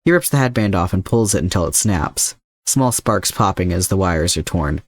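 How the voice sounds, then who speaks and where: A man narrates a scripted adventure story as a reader of fan fiction. His voice sits low in pitch, and the sound is very dry, with no room around it. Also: animated, normal speed, no room sound.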